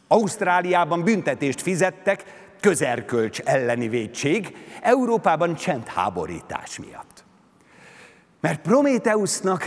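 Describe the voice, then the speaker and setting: A man giving a dramatic literary reading of a story, with expressive, sweeping intonation, on a concert hall stage. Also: mid-range voice. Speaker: reciting actor.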